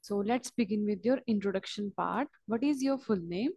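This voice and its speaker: A woman's voice: medium pitch, normal speed, gravelly, warm tone, no echo. A woman acting as examiner in a mock speaking test, asking brief, formal questions over a video call.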